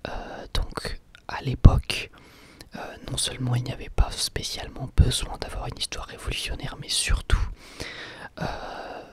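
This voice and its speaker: A man hosting a whispered ASMR video, calmly answering viewer questions in a thoughtful, explanatory way. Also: medium pitch, unhurried, slightly rough. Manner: soft-spoken, thoughtful and explanatory. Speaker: ASMR channel host.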